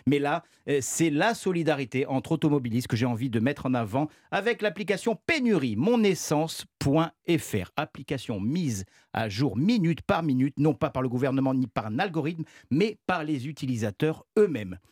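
A man presenting a good-news segment on a radio show, jokey and quick to laugh at his own puns. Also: a little high, expressive, darkish tone, dry recording, clean studio sound. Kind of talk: playful radio chat segment.

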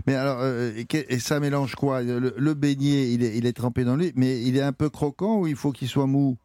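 A male radio host chats easily and asks curious questions. His voice is at a middle pitch. The studio sound is dry, with no room echo. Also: steady tone, a little fast, warm tone. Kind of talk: radio show hosting.

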